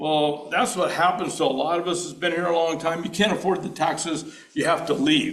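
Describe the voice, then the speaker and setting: Noticeable background noise and audible room echo accompany a man with a Pacific Northwest accent, whose high-pitched voice moves at a fairly quick pace with ordinary pitch variation. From Oregon, Troutdale area. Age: 70s. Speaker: resident giving public comment. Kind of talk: public comment at city meeting. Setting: public meeting hall. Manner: halting.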